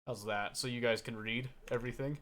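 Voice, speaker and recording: A young man streaming a visual novel, reading the text aloud and joking about it in an animated way. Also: medium pitch, brisk. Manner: animated, jokey, reads game text aloud. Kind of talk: game playthrough, reading aloud and commenting. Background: faint piano game music.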